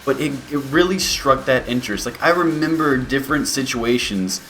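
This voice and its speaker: A man of about twenty, a YouTuber answering viewer questions in a relaxed, rambling way with many fillers. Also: mid-range voice, normal speed. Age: 20s. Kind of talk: casual Q&A vlog.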